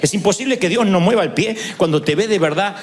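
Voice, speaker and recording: A man preaching a sermon, telling stories and rising to shouted calls to celebrate. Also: sits high, fast, big-room sound, a little hiss or hum. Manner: storytelling, building to shouted exhortation. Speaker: pastor.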